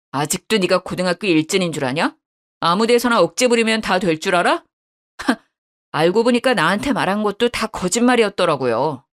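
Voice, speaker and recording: A woman voicing a betrayed young husband who scolds his wife harshly in a lowered voice. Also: close to an everyday voice. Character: angry betrayed young husband, cold and blunt.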